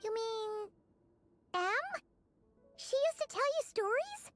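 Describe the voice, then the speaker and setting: Squeaky tiny fairy sprite. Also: female voice, slow pace, faint music behind, full character voice. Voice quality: very high squeaky childlike voice. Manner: excited, inquisitive. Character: tiny floating female fairy companion, chirpy and curious. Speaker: game character.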